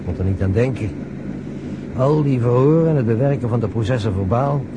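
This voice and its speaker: An actor playing a reflective, questioning police detective in a naturalistic radio drama, musing aloud and probing with short questions. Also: male voice, medium pitch, brisk, noisy background, close to an everyday voice. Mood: brooding.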